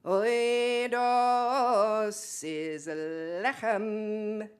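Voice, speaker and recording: A woman performing a Jewish ancestor in a stage reading, singing loud, drawn-out Yiddish folk lines, mournful yet dancing. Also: mid-range voice, steady tone, clean tone, faint music behind. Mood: lamenting.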